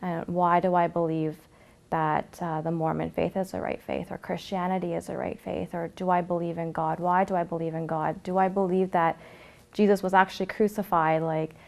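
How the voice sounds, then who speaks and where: A young woman from Canada calmly telling her personal story of faith, often pausing with fillers. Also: on the low side, creaky. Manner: reflective, with frequent fillers. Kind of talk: personal testimony to camera.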